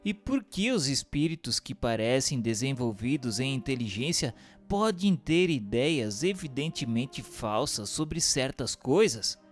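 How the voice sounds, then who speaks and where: A man's voice: medium pitch, sing-song, unhurried, few pauses, soft background music. A man playing an earnest questioner in a scripted audio drama, asking in a formal, inquiring way. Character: earnest male questioner seeking truth from spirits.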